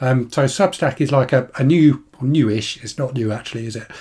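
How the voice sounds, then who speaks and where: A somewhat breathy voice with a British accent, fairly quick, with ordinary pitch variation, on a very clean recording with a silent background. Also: man. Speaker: book youtuber. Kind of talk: casual vlog chat. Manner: hesitant, many fillers.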